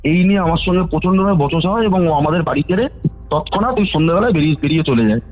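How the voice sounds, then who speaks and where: A man's voice: a little high, lively intonation, racing. Man recounting a story over a tinny phone line. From West Bengal, India. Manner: rambling, self-correcting, quotes others. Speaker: caller telling a ghost story. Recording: phone-line recording with faint music.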